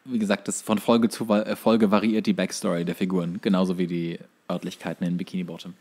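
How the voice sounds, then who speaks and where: A man's voice: low voice, flat delivery, fast talker, darkish tone. A man chatting casually as a podcast co-host, explaining things in a hesitant, searching way.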